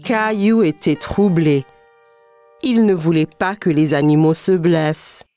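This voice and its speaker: Soft music plays behind a woman's low, warm voice as she narrates a children's cartoon in storybook-reader fashion. Speaking a little slowly, she recounts a small boy's everyday adventures.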